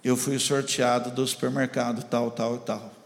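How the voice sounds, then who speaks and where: A pastor telling a story in a sermon, acting out the voices and building up to shouts. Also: male voice, medium pitch, level tone, normal speed. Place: church. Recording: long church reverb.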